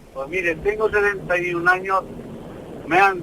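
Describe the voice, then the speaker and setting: A man speaks at a moderate pace with a high pitch. Noticeable background noise runs behind him. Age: 60s. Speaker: caller. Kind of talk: call-in question.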